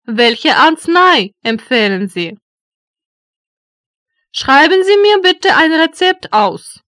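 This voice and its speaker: Very slow, high, bright woman's voice. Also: sing-song, no echo, studio quality. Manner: deliberate, each phrase read twice. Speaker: German language teacher voice. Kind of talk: slow phrase drills for learners.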